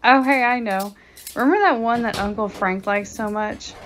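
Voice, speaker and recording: A woman's voice: on the high side, moderate pace, fairly bright tone, slight background noise, close to an everyday voice. A woman playing a skeptical daughter in a radio drama, with a conversational, sardonic manner. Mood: wry, casual. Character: wry, skeptical grown or teenage daughter.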